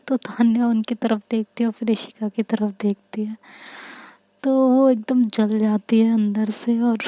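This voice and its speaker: A woman's voice: a little high, no echo. A woman with an Indian accent narrating a romantic story in a casual, chatty way and voicing the dialogue herself. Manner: chatty, colloquial retelling with lively quoted dialogue.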